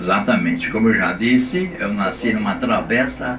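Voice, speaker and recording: A man speaks at a moderate pace in a fairly low voice with lively intonation. The room echo is audible, and there's noticeable background noise. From Guarulhos, São Paulo state, Brazil. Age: 70s. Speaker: retired teacher, interviewee. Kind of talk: interview.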